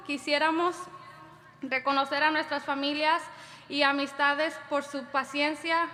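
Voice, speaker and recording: A woman's voice: high-pitched, sharp tone, big-room sound. A young woman, a graduating student, giving a prepared and earnest welcome speech.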